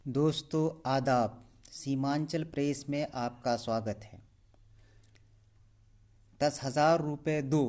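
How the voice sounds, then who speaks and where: A man's voice: mid-range voice, a little mellow. A man presenting a scripted news report, speaking in a pointed, rhetorical manner.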